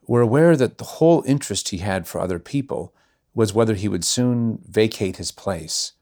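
A man reading a classic novella aloud in measured, unhurried narration. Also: low-pitched, a little mellow. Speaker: reader. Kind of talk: audiobook narration.

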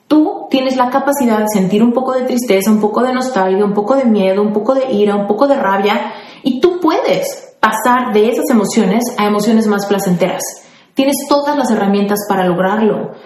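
Mexican lady coach talking to her podcast listeners, kinda high voice, echoey room. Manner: warm, conversational, answers listeners by name. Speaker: life coach and podcast host. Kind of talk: motivational podcast advice.

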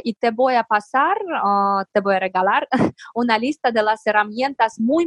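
Brief: female podcast guest, earnest and encouraging, pauses to find words, dry close sound. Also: mid-range voice, no echo. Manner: searches for words. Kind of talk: podcast interview.

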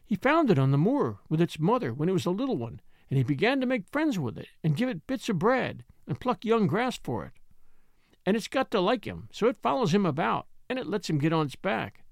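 A chatty, outspoken young housemaid with a broad way of talking, done by a man reading a storybook aloud, pitched up high with a lively, bouncing lilt. She rattles on in a plain, homely manner, and the sound is close and dry. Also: fairly quick, vocal fry, no room sound, full character voice. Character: chatty good-tempered young Yorkshire housemaid. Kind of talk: audiobook character voice.

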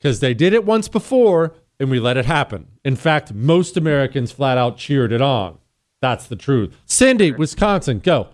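A man hosting a call-in radio talk show, sarcastic and combative, mocking in a high voice then dropping low. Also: sing-song, normal speed, no echo, studio quality.

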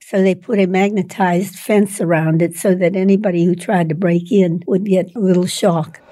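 An older woman telling the story of her childhood in an oral history interview, slow and plain, with soft laughs. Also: on the low side, fairly even intonation.

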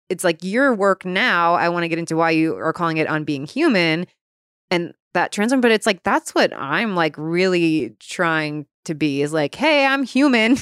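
A woman's voice: on the low side, a bit bright, clear, resonant tone, no echo, studio quality. A woman hosting a podcast interview, chatting reflectively and laughing often. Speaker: podcast host. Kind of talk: casual interview conversation.

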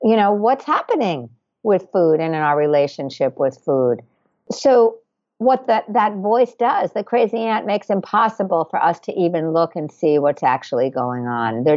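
A woman who teaches workshops, answering interview questions in a deliberate, emphatic way with repetition. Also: low voice, darkish tone, dull audio.

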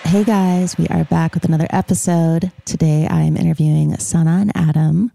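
A woman's voice: deep voice, normal speed, gravelly, warm tone. A young woman hosting a podcast, chatting casually and upbeat as she interviews her guests. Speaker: podcast host.

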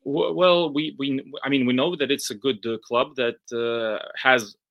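A man from Belarus answering interview questions as a football reporter, in a halting, careful and noncommittal manner. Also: mid-range voice, fairly even intonation, vocal fry, dry recording, muffled recording. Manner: hesitant, halting, measured, hedging answers.

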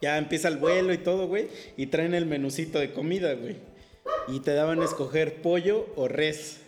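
A Mexican-accented man spins a story for his friends in loose, slang-heavy talk, animated and quick to laugh. His voice sits a little on the high side. Music plays clearly underneath. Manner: slangy, drops "güey" constantly; animated, laughs while telling. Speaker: podcast co-host telling a story. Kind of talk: casual storytelling among friends.

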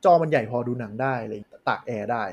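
A man co-hosting a casual tech podcast, talking in an animated, joking way with crude slang. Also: medium pitch, fast talker, creaky, slightly rough, dull audio. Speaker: podcast co-host.

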